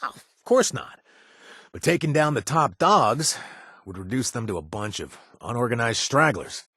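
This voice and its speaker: An actor playing a gruff, washed-up ex-raider who now runs a bar, sardonic and joking one moment, earnest and grateful the next, in video game voice lines. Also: male voice, mid-range voice, sing-song, normal speed, a bit bright, no echo, clean studio sound. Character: gruff washed-up male ex-raider bartender, wry. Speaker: game companion character.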